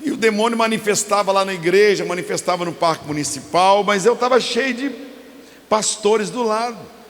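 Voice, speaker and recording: An older man from Brazil with a Minas Gerais accent, a pastor telling a story in a sermon, animated and acting out voices. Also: high-pitched, normal speed, slight background noise. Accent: Minas Gerais Portuguese. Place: large church hall. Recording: long hall reverb.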